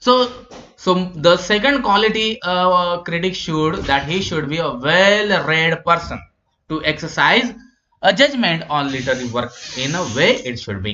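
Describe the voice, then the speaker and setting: A man with a Marathi Indian accent speaks at a high pitch, his pitch swinging very widely. Room echo can be heard. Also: fairly slow pace. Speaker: literature lecturer. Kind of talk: lecture. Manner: halting, many fillers.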